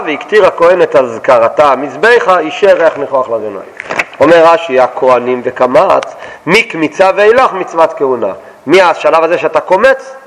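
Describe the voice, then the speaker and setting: Higher-voiced man teaching, echoing room. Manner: quotes a verse, then explains it in plain everyday words; asks and answers his own questions. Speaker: Torah teacher. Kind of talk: text study lesson.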